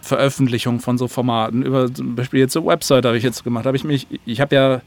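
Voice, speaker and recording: A man chatting casually as a podcast guest about creative work, speaking in a halting, rambling way and often circling back mid-sentence. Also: medium pitch, steady tone, no echo. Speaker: audio drama creator, interview guest.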